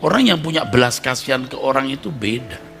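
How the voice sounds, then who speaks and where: A middle-aged man preaching a sermon as pastor, talking in a conversational way, acting out short everyday dialogues and breaking into sudden high emphatic bursts. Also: sing-song, fairly quick, gravelly. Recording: music playing underneath.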